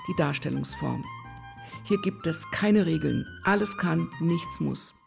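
A woman's voice: low-pitched, lively intonation, measured pace, vocal fry. A woman reading scripted instructional narration in a formal, mock-official manner. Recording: music behind the voice. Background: music.

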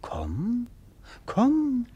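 An actor playing a dreamy, ironic young prince in a German radio play, speaking in a lofty, rhetorical way. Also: male voice, very high-pitched, wildly swooping pitch, drawn-out words, mellow, husky, dull audio, heavily acted. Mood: exalted.

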